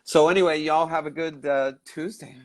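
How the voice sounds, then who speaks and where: A man hosting a live stream in casual chat, congested from a cold, rambling and halting as he searches for words. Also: on the high side, fairly even intonation, no echo. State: stuffy nose and cough from a cold. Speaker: livestream host. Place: his home in Mexico.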